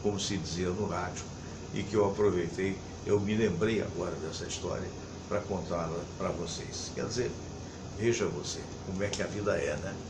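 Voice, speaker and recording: Low-voiced man telling a story in an echoey room. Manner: halting, repeats words before finding them, then builds up with emphasis. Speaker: TV program host. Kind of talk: storytelling to viewers. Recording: echoey room with background noise.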